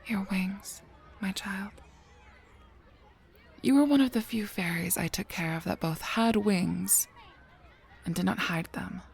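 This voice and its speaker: A slow, husky female angel acted by a woman with creak at the edges of her voice. She is a wry, motherly chief of guardians, poised and gentle, in a fantasy audio drama. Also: mid-range voice, some chatter behind, full character voice. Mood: tender, wistful. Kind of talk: ASMR audio roleplay acting.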